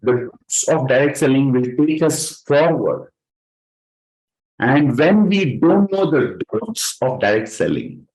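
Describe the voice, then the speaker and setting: A man's voice: fairly high pitch, a little mellow, rough recording. A man with a South Indian accent giving a motivational training talk as a direct-selling leader, putting questions to his listeners and repeating words for emphasis. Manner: rhetorical questions to listeners, emphatic word repetition.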